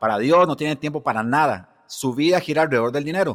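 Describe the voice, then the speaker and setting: Fairly high pitch from a man with an ordinary speaking voice, a fairly quick pace and ordinary pitch variation, on a very clean recording with a silent background. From Costa Rica. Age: 40s. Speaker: pastor and entrepreneur. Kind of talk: casual chat.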